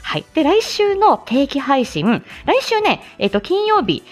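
A woman's voice: sits high, wildly swooping pitch, measured pace. A woman who works as a speech-language therapist, chatting casually on her own live stream, full of fillers and little laughs.

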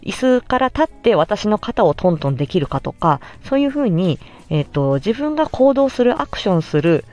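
Lively gentle Japanese woman explaining. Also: medium pitch, normal speed, few pauses. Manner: gentle explanatory, many fillers. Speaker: speech-language therapist and podcast host. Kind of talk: solo podcast talk.

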